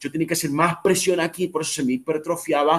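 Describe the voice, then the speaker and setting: The speaker is a man with a fairly high pitch. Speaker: medical tutor. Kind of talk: lecture. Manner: fast; animated.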